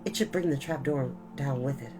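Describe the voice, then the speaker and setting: A woman's voice: very deep voice, a little fast, music in the background, rough recording. A woman voicing a clever, determined young girl who explains things eagerly and emphatically in a storybook read-aloud. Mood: excited, explaining.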